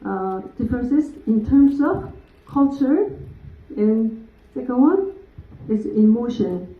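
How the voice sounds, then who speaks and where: A woman's voice: a little high, lively intonation, slow pace. A young woman from South Korea with a Korean accent, giving a lecture in English with many fillers and frequent laughs. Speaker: guest lecturer. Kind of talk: lecture to a live audience. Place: lecture room. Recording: tinny phone-like sound in an echoey room.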